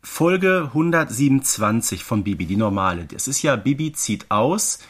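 A man's voice: mid-range voice, expressive, moderate pace, husky. A man with a German accent co-hosting a fan podcast, explaining things conversationally and checking for agreement. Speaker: podcast co-host.

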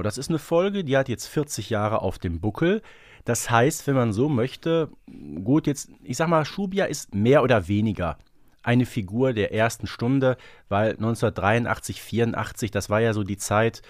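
A man's voice: on the low side, no room sound. Man co-hosting a podcast, dry close sound. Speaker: podcast co-host. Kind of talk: casual expert chat.

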